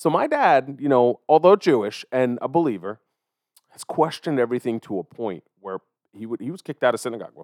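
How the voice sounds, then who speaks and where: A man speaks in a normal speaking voice at medium pitch, his loudness swinging widely and his intonation lively. The pace is fairly quick, and the sound is dry and close with no echo. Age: 30s. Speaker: podcast co-host. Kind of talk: casual chat.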